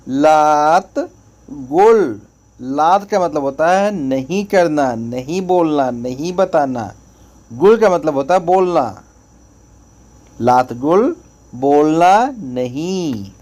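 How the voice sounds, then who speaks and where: A man teaching spoken phrases, saying each one slowly and repeating it before explaining its meaning. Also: on the high side, darkish tone. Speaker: language teacher. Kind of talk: slow spoken language lesson.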